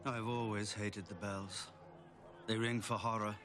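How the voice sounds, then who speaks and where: A man's voice: fairly low pitch, level tone, a little slow, lightly acted. An actor playing a grim, weary man full of dread in a filmed drama. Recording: very loud film soundtrack music.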